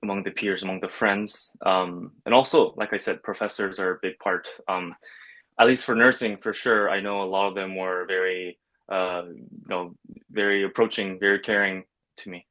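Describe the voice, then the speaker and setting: A man's voice: low voice, fairly even intonation, moderate pace, sharp tone, rough recording. A young man, a nursing student, answering hesitantly with many fillers on a video call from a bedroom. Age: young adult. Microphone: video call webcam.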